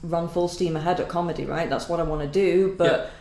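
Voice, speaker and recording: A woman's voice: on the low side, steady tone, fairly quick, warm tone. A woman comedian guesting on a podcast, chatting casually, swearing, self-deprecating and laughing often. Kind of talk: casual chat. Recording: echoey room with faint hiss.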